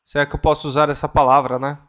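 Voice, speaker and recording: A man interpreting a ministry talk at a church conference, earnest and measured, sometimes correcting himself mid-word. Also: on the high side, level tone, fairly bright tone.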